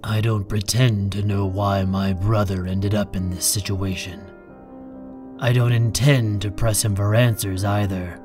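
A male actor plays a proud, defiant man with a low voice in an audio drama. He is sardonic and controlled, cold anger under every word, over a faint musical bed. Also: fairly even intonation, measured pace, music in the background, natural voice. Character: proud, defiant, coldly angry man facing his enemy.

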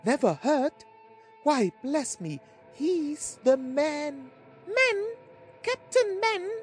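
Woman playing a high-voiced, gushing society gossip. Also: sing-song, very slow, faint music behind, exaggerated voice. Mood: gossipy, distracted, then eager, gushing. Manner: gushing, exclamatory, affected. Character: chattering society gossips at cards and dances. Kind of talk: scripted comic period story acting.

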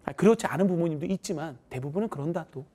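A woman's voice: sits low, animated, very fast, mellow, slightly rough. A woman math teacher giving students a chatty, motivational talk, acting out voices as she tells stories.

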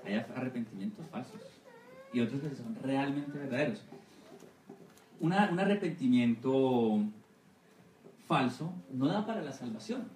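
A missionary pastor giving a Sunday school sermon, often asking the congregation for agreement with amen and right. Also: male voice, medium pitch, darkish tone, distant mic, slight background noise. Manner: asks the congregation for assent, repeating amen and right. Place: church hall. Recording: echoey room, voice from off-mic.

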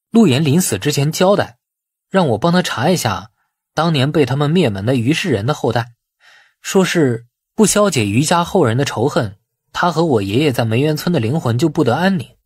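Man playing a husky, shrewd young businessman. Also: a little high, big pitch swings, normal speed, dry recording, studio quality. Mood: puzzled. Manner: colloquial, explanatory. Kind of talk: audiobook dialogue.

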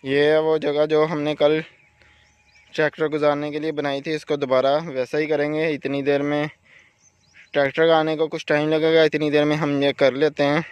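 A man's voice: a little high, normal speed, clean tone, muffled recording. Young man narrating his farm vlog. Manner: calm, explanatory, pointing things out to the viewer. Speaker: vlogger. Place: open farm field outdoors.

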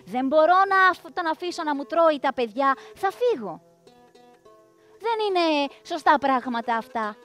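A woman storyteller voicing an anguished young goddess mother who pleads and cries out in a high voice. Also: few pauses, fairly bright tone, faint music behind. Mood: determined. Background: faint live plucked strings.

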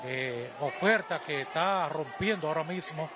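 A man's voice: fairly high pitch, moderate pace, over a noisy crowd. A middle-aged Dominican man at an expo fair stand, inviting people in and promoting offers. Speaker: company employee. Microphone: interviewer's handheld mic. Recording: noisy fair hall.

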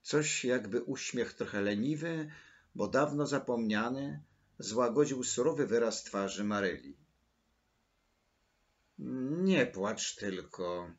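A man narrating a novel chapter in a measured, deliberate storytelling manner. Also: mid-range voice, dull audio. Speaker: audiobook narrator. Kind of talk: scripted literary narration.

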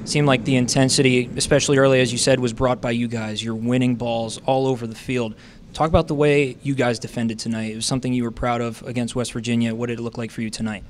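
A young man, a sports reporter, asking smooth prepared postgame questions into a handheld mic. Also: mid-range voice, level tone, fast, a little hiss or hum. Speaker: sideline reporter. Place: indoor interview backdrop.

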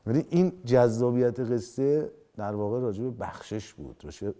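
A man's voice: mid-range voice, expressive, warm tone. A man in his forties, an actor as a guest in a TV studio interview, talking emphatically and gesturing as he makes his case. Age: 40s. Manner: emphatic, gestures with hands, acts out quoted lines. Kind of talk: studio interview, animated opinion. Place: dark television studio set. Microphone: lapel mic.

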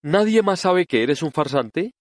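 A man's voice: fairly high pitch, expressive, a little slow, no room sound, studio quality, pitched above the performer's own voice. A man voicing a young girl who speaks up earnestly and insistently.

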